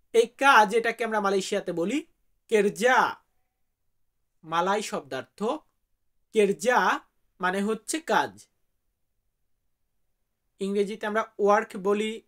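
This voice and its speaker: A woman teaching vocabulary in an unhurried, measured way. She speaks at a middling pitch and repeats every word carefully so viewers can follow along. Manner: repeats each word slowly and deliberately. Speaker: language teacher and channel host.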